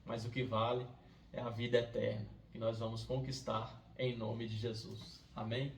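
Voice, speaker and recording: A man reads scripture aloud at a steady pace, then speaks a short devotional reflection in a quieter, conversational way. His voice sits at a middle pitch. It is recorded from a little way off the mic in a roomy space, with a faint hiss underneath. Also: normal speed, creaky, recorded from a distance. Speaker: Bible reader and devotional host.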